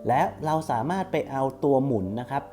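Male tutorial host, quick and casual, dark relaxed tone, patiently repeats each step. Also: medium pitch, soft background music. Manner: instructional, repeats steps, polite particles. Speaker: tutorial host for screen reader users.

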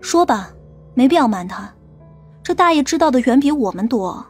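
An actress playing a stern, sharp-tongued female police team leader in an audiobook, commanding and scolding. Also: high-pitched, animated, normal speed, slightly rough, soft background music, heavily acted. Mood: assured. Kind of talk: acted audiobook dialogue.

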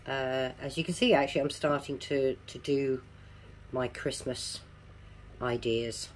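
A woman's voice: rumbling low, a little slow, slight background noise. A middle-aged woman with toothless, slightly slurred articulation, giving a casual step-by-step craft demonstration and repeating key steps as she instructs. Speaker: craft tutorial presenter. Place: indoors at a home craft table.

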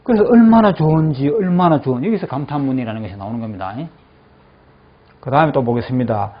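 A male English teacher in a classroom, saying phrases slowly and then explaining them, often checking that the class follows. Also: medium pitch. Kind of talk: classroom lecture with repeat-after-me drills. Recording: dull lo-fi classroom recording.

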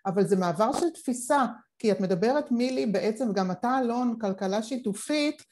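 A woman's voice: a little high, expressive, a little mellow, slight background noise. Reflective woman on a video call. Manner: reflective, expansive, thinking aloud. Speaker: panel participant. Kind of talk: online panel discussion. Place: home living room.

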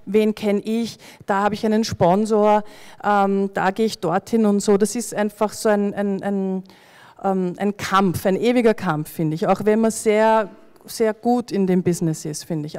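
A woman's voice: mid-range voice, a little mellow. A woman around forty speaking spontaneously as a panelist, into a handheld microphone on stage. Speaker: panelist, freelance performing artist. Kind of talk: spontaneous panel discussion remarks. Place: stage in a hall before an audience. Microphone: handheld microphone close to mouth.

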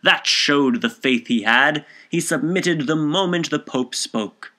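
A self-assured middle-aged gentleman, as a male narrator plays him, holds forth in a storybook tale. His delivery is declamatory and solemn, with a sharp, forceful edge on each point. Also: slow pace. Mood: triumphant, solemn. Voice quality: deep, raucous.

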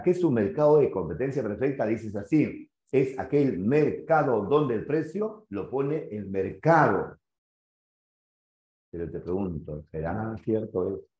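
Man, Peruvian accent, economics teacher, lively pitch, questioning, echoey room, muffled. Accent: Peruvian Spanish. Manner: animated, questioning, storytelling. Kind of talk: lively classroom lecture. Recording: echoey room, dull sound.

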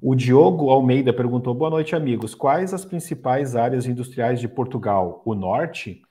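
A man's voice: medium pitch, lively intonation, normal speed, warm tone. A middle-aged man, hosting a live stream and reading viewers' questions. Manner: reads viewer questions, agreeable interjections. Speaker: host. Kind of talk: casual chat on a live stream.

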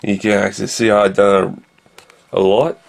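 Male vlogger, thirties, lowish pitch with heavy fry, casual and meandering delivery, shot handheld indoors. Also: flat delivery, a little slow. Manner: low-key, meandering, jumps between everyday subjects. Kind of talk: casual rambling video diary. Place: small room indoors. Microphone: handheld camera at arm's length.

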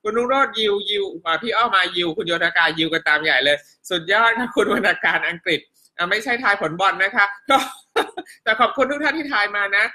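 Woman, middle-aged, teacher, live online class, chatty, bright tone, home stream. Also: medium pitch, expressive, fairly quick. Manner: chatty, warm teacher tone, polite particles, frequent laughs. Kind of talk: casual live-stream lecture, reading chat comments. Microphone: home live-stream setup.

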